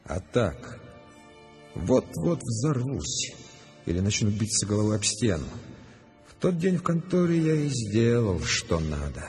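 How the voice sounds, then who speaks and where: A man's voice: on the low side, big pitch swings, a little slow, darkish tone, faint music behind. An actor playing a gleefully rebellious, eccentric arrested man in a radio drama, telling his tales in a wry, theatrical manner. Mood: brooding, intense.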